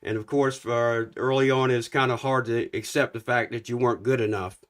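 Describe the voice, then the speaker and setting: A middle-aged man who coaches, talking on a live show. He tells his story steadily and plainly, with an ordinary middle pitch. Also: steady tone, fairly quick, a bit bright. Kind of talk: casual conversation on a live show.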